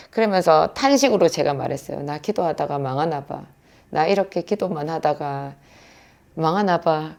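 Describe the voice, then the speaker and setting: A woman's voice: deep voice, creaky, darkish tone. A middle-aged woman, a pharmacist who teaches prayer, telling her own story in a sermon-style talk and acting out the prayers she quotes.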